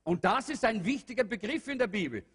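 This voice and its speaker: A man with a husky, breathy voice preaches a sermon to his congregation. He speaks earnestly and asks many rhetorical questions. A long reverb from the church hall hangs on every phrase. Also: sits high, lively intonation, fairly quick, fairly bright tone. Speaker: pastor.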